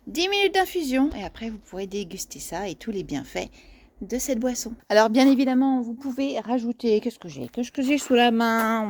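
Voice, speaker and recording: A woman's voice: on the high side, slight background noise. Chatty woman gardener. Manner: chatty, playful, with many fillers and asides. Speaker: gardener and landscaper presenting plants. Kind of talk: casual garden vlog.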